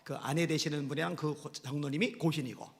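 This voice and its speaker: A male pastor preaches a sermon and tells a story briskly from the pulpit. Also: on the high side, steady tone, creaky. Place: church sanctuary. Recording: echoey sanctuary with long reverb.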